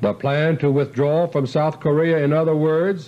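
At a moderate speed, a man talks in a normal speaking voice. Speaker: conspiracy commentator and newsletter author. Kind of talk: monthly audio letter delivered as a serious, warning-laden monologue. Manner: grave, urgent, alarmist.

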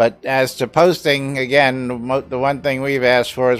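A man's monotone, flat intonation at a moderate pace, with faint music in the background. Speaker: game streamer. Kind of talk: live stream commentary. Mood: mildly critical, calm. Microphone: studio mic.

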